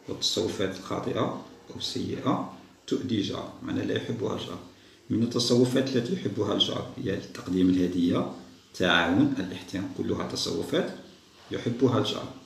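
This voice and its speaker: A man patiently walking young schoolchildren through a test, repeating each answer slowly. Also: fairly low pitch, creaky, roomy sound, slight background noise. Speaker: teacher solving a school test. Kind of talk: step-by-step lesson for young children.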